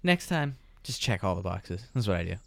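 A young man playing a calm, defiant brother who speaks in a matter-of-fact way. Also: on the low side, brisk, creaky, no echo.

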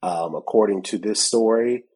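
Speaking at normal speed, the tech podcast co-host sounds on the low side, a little mellow and slightly rough. He's congested from a cold, chats casually, laughs often, and acts out both parts of conversations.

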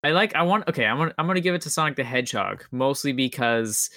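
Bright, forceful man chatting on a podcast. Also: mid-range voice, lively intonation, fast, dry recording, clean studio sound. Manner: hesitant, repeats phrases while thinking aloud. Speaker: podcast panelist. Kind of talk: casual chat.

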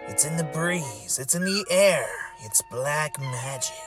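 Woman playing very low-voiced young friend, Darius. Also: animated, unhurried, over loud music. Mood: commanding, eerie. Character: young adult friend, Darius, bossy leader of occult game. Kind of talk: horror audio drama acting.

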